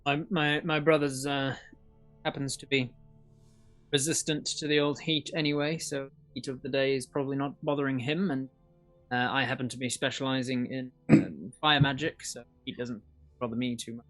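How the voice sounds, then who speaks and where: A man of medium pitch speaks casually as a player in a tabletop role-playing game. His phrasing is halting and improvised, and faint music plays behind him. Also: flat delivery, fairly bright tone, no room sound.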